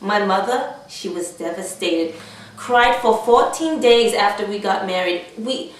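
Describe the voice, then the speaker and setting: A woman's voice: mid-range voice, measured pace, lightly acted. Woman playing a brassy talk show hostess, echoey room. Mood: mocking. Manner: theatrical, chatty, mocking. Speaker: talk show host character. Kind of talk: comedy character sketch, mock talk show. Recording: echoey room, distant microphone.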